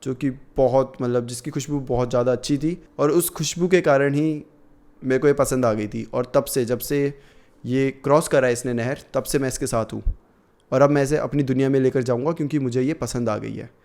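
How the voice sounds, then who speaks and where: A man's voice: medium pitch, fairly even intonation, moderate pace, darkish tone, natural voice. A man doing a menacing heavy-voiced jinn. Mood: possessive. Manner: threatening, rude. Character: menacing male jinn spirit possessing a girl.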